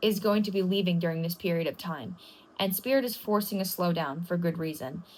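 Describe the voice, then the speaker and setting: A woman speaks at medium pitch and a fairly quick pace. Her voice is somewhat breathy. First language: not English. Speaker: tarot reader. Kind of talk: tarot reading to camera. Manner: casual, conversational with filler words.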